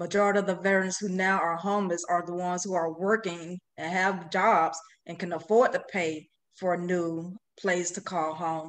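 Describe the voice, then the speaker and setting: In a quiet setting, a woman with a fairly low pitch speaks at a moderate pace in a flat, monotone intonation. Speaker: military veteran. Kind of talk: community meeting. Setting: video call. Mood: earnest, advocating. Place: home room. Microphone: video call.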